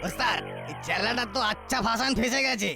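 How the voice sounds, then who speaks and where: A man's voice: very high voice, brisk, gravelly, over music. A man voicing a nosy, mocking small-time crook in a taunting comic cartoon style.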